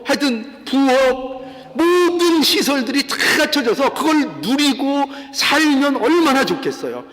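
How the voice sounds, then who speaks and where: A man's voice: very high voice, fairly bright tone, big-room sound. A male pastor giving a fervent sermon, pleading and urging his congregation. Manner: fervent preaching, voicing God's pleas in quotes. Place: church sanctuary.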